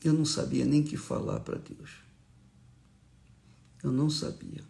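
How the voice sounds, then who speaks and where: A man delivers a morning devotional sermon as a bishop. His delivery is unhurried and reflective, and a gravelly edge runs through his voice. He drops into soft murmured prayers now and then. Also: on the high side, steady tone.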